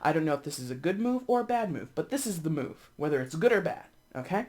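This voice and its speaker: A congested, sniffly tarot reader in their thirties talks through a reading in a loose, chatty way. The delivery is blunt, with casual swearing, and key words get repeated for punch. The pitch sits in an unremarkable middle range. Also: very animated, quick pace, a little mellow.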